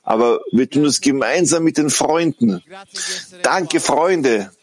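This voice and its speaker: A man giving a halting live spoken translation of a heartfelt testimonial, often correcting himself as he goes. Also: medium pitch. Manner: halting, self-correcting delivery.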